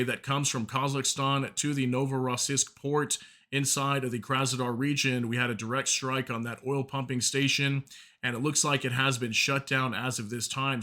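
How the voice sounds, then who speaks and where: A man with a mid-pitched, bright, forward voice hosts a casual news update. He sounds slightly hoarse from a sore throat. He talks to viewers informally and apologizes when he stumbles over hard names. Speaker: news channel host. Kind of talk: casual war news briefing.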